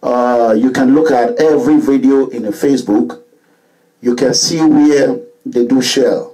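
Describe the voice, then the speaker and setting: A middle-aged man delivering an emphatic, repetitive monologue to his followers, at times rising to loud outbursts. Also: medium pitch, a little slow, poor audio. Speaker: online commentator.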